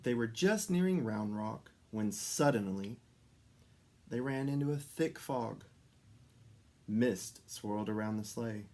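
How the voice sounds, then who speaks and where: A man reading a children's story aloud as an expressive narrator. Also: on the low side, slow pace. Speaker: storybook reader.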